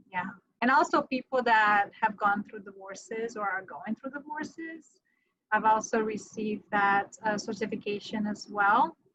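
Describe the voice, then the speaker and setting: A woman's bright, sharp, fairly high voice in a Romanian accent at a moderate pace. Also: ordinary pitch variation. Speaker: mortgage lender. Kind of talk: interview.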